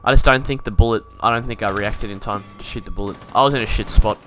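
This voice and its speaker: A man's voice: lowish voice, fast talker, background noise. A young man giving casual gameplay commentary as a video creator, laid-back, thinking aloud and swearing now and then. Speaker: gaming YouTuber.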